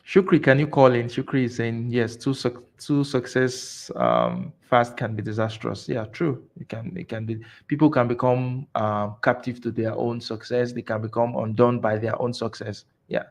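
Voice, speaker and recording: A man from Nigeria moderates an online conversation and keeps his turns brief and relaxed. His voice has a gravelly, fried edge. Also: mid-range voice, normal speed, hardly any pauses. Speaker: host. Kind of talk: moderating a group discussion.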